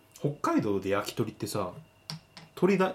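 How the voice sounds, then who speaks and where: Vocal fry runs through this man's speech. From Kagawa, Japan. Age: 30s. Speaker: podcast host. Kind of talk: casual chat. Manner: low-energy.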